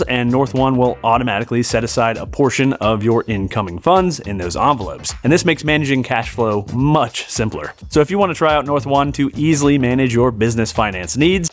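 Upbeat DIY workshop host, casual. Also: male voice, medium pitch. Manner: casual, upbeat, practical, chuckles at himself. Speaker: woodworking channel host. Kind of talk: DIY how-to narration. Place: large basement workshop, indoors.

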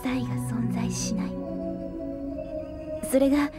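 High-voiced, thoughtful young woman scientist. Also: steady tone, unhurried, over loud music. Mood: pensive, wistful. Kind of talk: Japanese audio drama acting.

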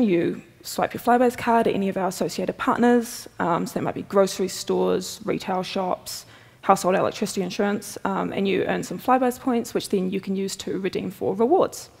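Gravelly-voiced Kiwi woman in a big hall. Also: medium pitch, darkish tone. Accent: New Zealand. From New Zealand. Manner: quick, chatty, self-deprecating humor. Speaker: conference speaker, software developer. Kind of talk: technical conference talk. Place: large conference hall, at a podium. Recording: long reverb of a big hall.

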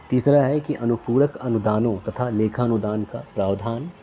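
A man's voice: medium pitch, muffled recording, slight background noise. Methodical man reading quiz answers. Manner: methodical, reads each question and options aloud then names the answer. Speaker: quiz tutor. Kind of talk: exam question walkthrough.

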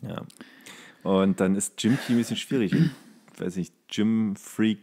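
A man's voice: lowish voice, measured pace, a little mellow. A man chatting as a comedy podcast co-host, joking and playing puzzled. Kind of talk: casual comic banter.

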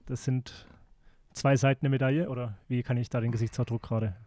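A man's voice: medium pitch, flat delivery, fairly quick, dark tone, no room sound, clean studio sound. A man hosting a casual conversational interview, curious and lightly joking with his guest. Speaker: podcast host interviewer.

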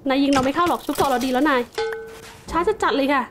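Brief: young woman, high voice, playful game commentary, startles easily, music underneath. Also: fast talker. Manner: chatty, startled exclamations, talks to game mobs. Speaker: gaming channel host. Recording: music playing behind the voice.

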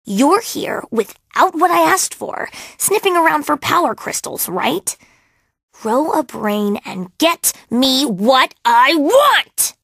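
A sullen young undead girl from a video game. Her high voice is gravelly and slow, dripping with sarcasm and menace. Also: sing-song, a bit bright, no echo, clean studio sound, heavily acted. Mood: contemptuous, threatening. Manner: sarcastic, sneering, threatening. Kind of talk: video game character acting.

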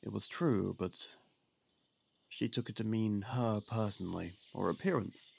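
A man playing a curious, persuasive young prince as a suitor in an ASMR roleplay, speaking softly and confidingly. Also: fairly low pitch, measured pace, gravelly, husky, full character voice. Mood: gentle, confiding. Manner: soft-spoken, confiding, with some hushed whispers. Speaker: voice actor.

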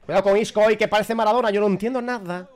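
A man reacting live to a football match as a fan, chatty and excitable, shouting at the big moments. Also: sits high, racing.

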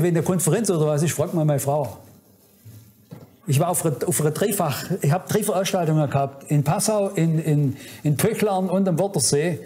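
Fervent high-voiced male preacher. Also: darkish tone. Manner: fervent, admonishing, addresses audience directly. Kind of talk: sermon. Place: conference hall.

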